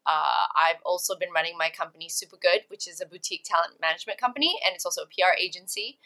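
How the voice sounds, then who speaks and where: Bright-voiced chatty woman guest. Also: fairly low pitch, fast, low-quality recording. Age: adult, career of over two decades. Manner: chatty, laughs often, fillers like "like". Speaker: podcast guest, actress and TV host. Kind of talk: casual interview chat.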